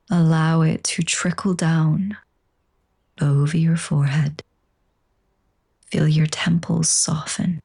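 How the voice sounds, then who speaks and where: A woman teaching yoga nidra, leading a slow guided relaxation in a soft, breathy, husky voice with a gentle, hushed, soothing manner. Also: low voice.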